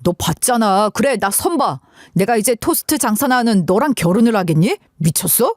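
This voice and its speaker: A woman's voice: fairly high pitch, animated, normal speed, no echo, studio quality. A woman voicing an arrogant, contemptuous young man in a dramatized story, with a sneering, dismissive drawl.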